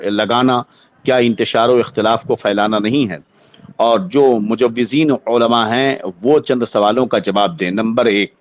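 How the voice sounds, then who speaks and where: Indian guy, muslim scholar explaining a religious ruling, formal and deliberate, mid pitch, very little echo. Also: lo-fi sound. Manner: deliberate, formal scholarly phrasing with listed points. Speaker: Muslim cleric answering religious questions.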